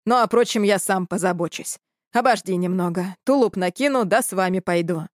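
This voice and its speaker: A woman voicing a stern old village man with a gruff, folksy way of talking. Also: medium pitch, fairly quick, no room sound, studio quality, close to an everyday voice.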